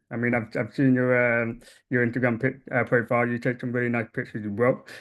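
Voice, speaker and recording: With a British accent, a man talks very fast at medium pitch in a monotone, flat delivery. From UK. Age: 20s. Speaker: street and travel photographer, presenter. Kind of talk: webinar presentation. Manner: casual, halting.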